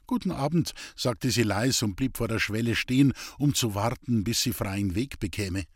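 A man narrating a German novel in an even storytelling voice. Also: fairly low pitch, normal speed, husky, no echo, studio quality. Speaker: audiobook narrator. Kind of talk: scripted narration.

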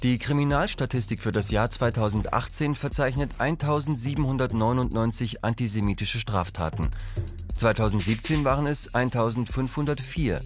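A man of middle pitch narrates in a measured, serious tone, as in a documentary voice-over. Music plays clearly beneath his voice.

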